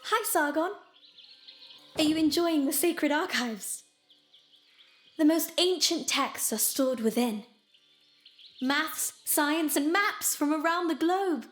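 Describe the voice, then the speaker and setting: A woman voicing a bright, curious, bookish young girl in a video game, eager and earnest. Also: high voice, lively intonation, slow pace, pauses often, exaggerated voice. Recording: long reverb, faint music behind. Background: faint game music.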